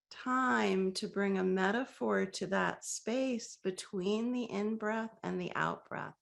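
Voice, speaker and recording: A woman leading a guided breathing meditation, speaking softly and gently with long, inviting pauses. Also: medium pitch, vocal fry.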